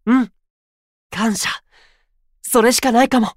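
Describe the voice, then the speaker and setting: A male actor playing a gentle, polite and sweetly earnest young idol with a soft, boyish delivery in a Japanese voice drama. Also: very high voice, fairly even intonation, unhurried, no echo, clean studio sound. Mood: cheerful. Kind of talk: Japanese anime-style voice drama acting.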